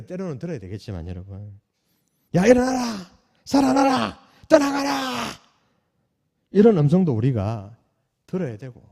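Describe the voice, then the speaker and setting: A man preaching a sermon as pastor, asking the congregation questions and swinging between loud calls and soft, hushed lines. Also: mid-range voice. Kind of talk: sermon at a night prayer meeting. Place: church sanctuary. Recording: long church hall reverb.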